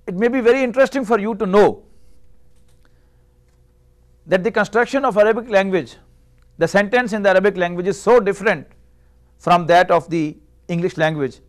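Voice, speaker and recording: A middle-aged Arabic teacher with Urdu as his first language gives a classroom lecture in a small room, wearing a lapel mic. He speaks in a high voice, measured and explanatory, posing rhetorical questions.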